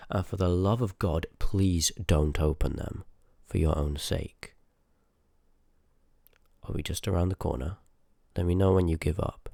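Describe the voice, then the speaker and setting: A man's voice: low-pitched, gravelly, mellow, no echo, heavily acted. A man voicing a rude, sarcastic, reluctant sorcerer of a haunted house in a scripted ASMR roleplay, grumbling and dismissive, close on the microphone.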